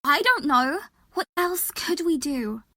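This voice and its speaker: A woman's voice: sits high, animated, slow, sharp tone, dry recording, studio quality, heavily acted. A woman playing an exasperated, sceptical young woman in an audio drama, sarcastic and matter-of-fact. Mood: reasoning.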